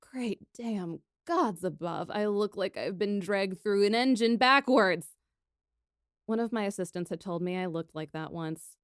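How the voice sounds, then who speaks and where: Woman as young princess engineer, spirited, wry, expressive first-person storytelling, close dry sound. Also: medium pitch, measured pace, clean tone, no echo, close to an everyday voice. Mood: exasperated. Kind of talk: first-person scripted narration, fan audio fiction.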